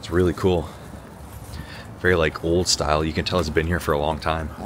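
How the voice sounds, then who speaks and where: A man talks at a fairly quick pace in a very deep, low voice with monotone, flat intonation. The sound is dry with no echo, and there is noticeable background noise. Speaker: travel vlogger. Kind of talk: casual vlog chat. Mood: amused, curious. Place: street. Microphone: lapel.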